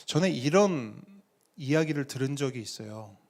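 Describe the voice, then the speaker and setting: A middle-aged man preaching a sermon as pastor, with dramatic pauses and acted-out quotes. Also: mid-range voice, lively intonation, darkish tone.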